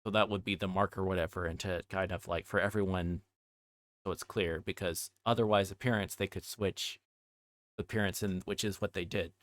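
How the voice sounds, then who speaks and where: A man livestreaming a game, talking casually and haltingly as he thinks aloud and reads along. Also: sits low, steady tone, a bit bright, no echo.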